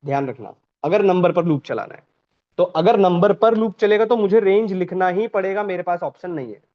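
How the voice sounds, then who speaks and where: A high-pitched man leads a programming class, quizzing students often and going over each point slowly more than once. The recording sounds dull and lo-fi.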